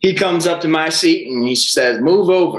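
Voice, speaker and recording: A man's voice, with ordinary pitch variation, carries audible echo from the room. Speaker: football player; podcast guest. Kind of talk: interview. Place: home room. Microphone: video call.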